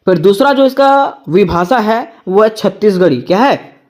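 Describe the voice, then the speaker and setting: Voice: medium pitch, expressive, moderate pace, darkish tone. A tutor giving an exam-prep lecture, asking rhetorical questions and answering them, repeating each point twice.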